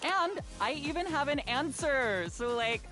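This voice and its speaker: A woman's voice: sits high, expressive, measured pace. A woman playing a vain, gushing young influencer in an audio story, with an affected way of talking. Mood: self-absorbed. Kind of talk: scripted character acting in an audio story game. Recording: loud music behind the voice.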